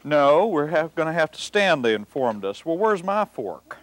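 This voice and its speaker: Wisecracking man with a lively, bouncing voice. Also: fairly high pitch, moderate pace. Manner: wisecracking, teasing. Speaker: co-host. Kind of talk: comic cooking show banter. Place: outdoor backyard cookout.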